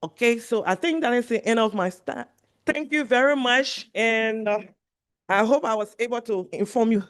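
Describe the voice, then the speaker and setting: A woman from Liberia presents at a training for journalists. Her voice sits a little high, and she talks in an earnest way, stressing key points by saying them again. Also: normal speed. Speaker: medical speaker at a journalist training.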